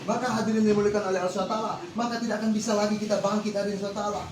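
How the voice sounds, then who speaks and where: A man's voice: high-pitched, little pitch movement, rapid-fire, crowd noise. A man preaching a Muslim sermon, exhorting listeners with rhetorical questions. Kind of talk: religious sermon to an audience. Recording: echoey, distant mic with faint noise.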